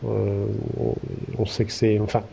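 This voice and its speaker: A low-pitched man with a gravelly, mellow voice chats casually on a podcast. He hesitates often, stringing his thoughts together with fillers and restarts. A faint rumble sits underneath. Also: monotone, a little slow. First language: French. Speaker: podcast co-host. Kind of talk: casual conversational chat.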